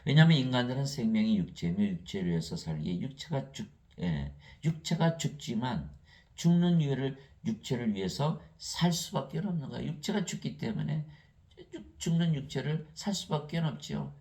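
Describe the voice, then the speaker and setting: A man preaching a sermon, asking and answering his own questions and acting out Bible figures in lively voices. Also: mid-range voice, moderate pace. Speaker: pastor.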